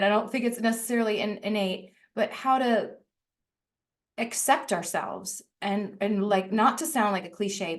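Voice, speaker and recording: A woman hosting a podcast interview in a casual chat, talking her way through questions with many restarts, fillers and laughs. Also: fairly high pitch. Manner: chatty, searching for words with many restarts and fillers; laughs often while talking. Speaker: podcast host.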